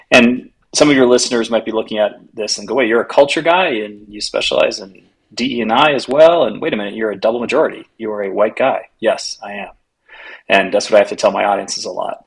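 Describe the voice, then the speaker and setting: A man's voice: fairly low pitch, breathy edge, rough recording. A man raised in Latin America answering interview questions reflectively, building his points through rhetorical questions. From United States, raised in Latin America. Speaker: guest, culture consultant.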